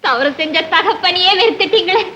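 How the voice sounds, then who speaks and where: An actress playing a devoted young heroine who speaks in pleading, emotional declarations, in 1960s film acting. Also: female voice, very high voice, animated, brisk, noisy background. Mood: distressed.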